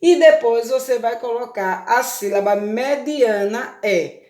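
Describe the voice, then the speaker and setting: A woman's voice: on the high side, slow pace, darkish tone. Patient Brazilian woman teacher, echoey room. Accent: Brazilian Portuguese. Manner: patient, explains step by step with many check questions. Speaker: primary school teacher. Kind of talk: recorded remote lesson for children.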